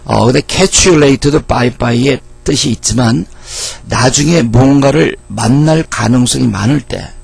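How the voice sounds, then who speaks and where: A middle-aged man teaching English phrases in a lecture, explaining patiently and reading example sentences slowly. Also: mid-range voice, vocal fry, a little mellow, slightly rough.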